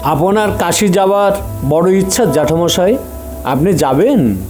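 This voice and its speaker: Man acting a high, earnest devoted nephew. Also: animated, unhurried, over music. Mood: gentle, earnest. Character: devoted, gently firm nephew. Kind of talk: audio story drama acting.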